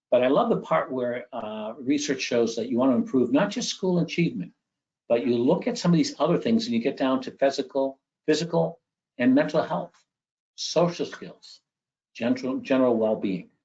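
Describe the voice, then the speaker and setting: Speaking with a Boston accent, a man with a fairly high voice moves his pitch through very wide swings. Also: moderate pace. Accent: Boston accent, dropped R's. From Boston area. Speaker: education professor and speaker. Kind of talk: webinar presentation.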